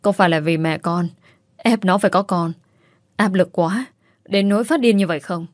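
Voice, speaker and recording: A woman's voice: lowish voice, normal speed, no room sound, studio quality, close to an everyday voice. A woman voicing a stubborn, domineering mother-in-law who nags insistently. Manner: nagging, insistent.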